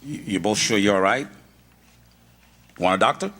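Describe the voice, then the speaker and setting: A man playing an excitable, fussing working-class fellow in a radio play, agitated and speaking in broken grammar. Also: lowish voice, normal speed, lightly acted. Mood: baffled. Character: excitable, protective, working-class barkeep or bridgekeeper. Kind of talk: staged 1940s radio play acting. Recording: noisy live stage microphone.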